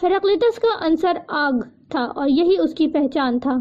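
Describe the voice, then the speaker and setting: A woman's voice: sits high, animated, darkish tone. A woman reading the lines of an eager, determined young woman who speaks urgently and insistently, in an audiobook. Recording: dull lo-fi recording.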